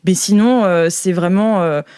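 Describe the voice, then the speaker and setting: A woman's voice: on the low side, a little slow, dark tone, clean tone, no echo, studio quality. A woman improvising tabletop game narration as game master, informal and searching for words.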